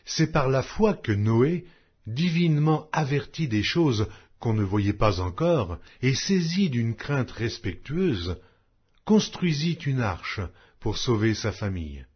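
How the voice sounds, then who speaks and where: A man reading scripture aloud as a formal audiobook narration, in a solemn, measured, declamatory way. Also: mid-range voice, very animated, breathy edge, muffled recording.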